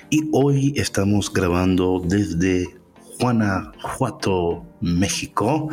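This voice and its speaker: A man hosting a casual chat show, playful and quick to laugh, dropping in English words, recorded in an echoey house with high walls. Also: darkish tone. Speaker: podcast host. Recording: echoey room.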